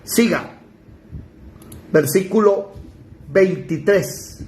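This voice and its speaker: A man's voice: high voice, very slow, darkish tone, slight background noise. A man leading a live Bible study, explaining verses in casual paraphrase and correcting a reader's pronunciation. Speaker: Bible teacher.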